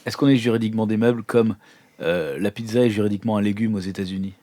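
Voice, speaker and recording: A man playing a blunt, disgruntled captive, lowish voice. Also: steady tone, fast talker, dark tone, dry recording, close to an everyday voice. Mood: rambling, amused. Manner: stammering, casual, argumentative. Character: disgruntled, blunt male captive displaced from his own time. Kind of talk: improvised roleplay.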